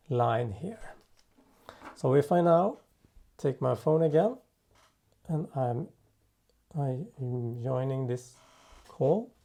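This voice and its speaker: A man talks through a software demo at a slow, unhurried pace. His voice is very dark and soft-edged, with a gravelly creak. He pauses and thinks aloud as he goes, like a presenter working live without a script. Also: mid-range voice. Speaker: tutorial presenter. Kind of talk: unscripted software demo narration.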